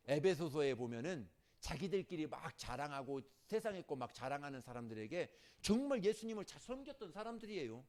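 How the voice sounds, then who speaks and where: A man preaching a sermon as a pastor, animated, turning from loud scolding to soft asides and asking the congregation questions. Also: on the high side, fairly quick, few pauses. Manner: asks the congregation questions and jokes with them.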